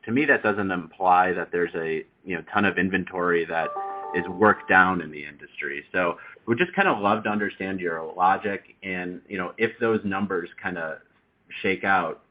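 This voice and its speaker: Deep-voiced male analyst on tinny phone line. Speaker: financial analyst. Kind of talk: asking questions on earnings call. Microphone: telephone.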